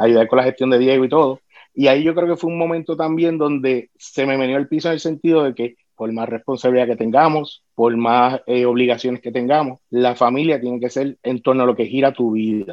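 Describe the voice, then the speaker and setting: An unremarkable speaking voice with fairly even intonation at a fairly quick pace. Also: man, medium pitch for a man. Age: 40s. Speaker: father sharing life story. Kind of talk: interview testimony.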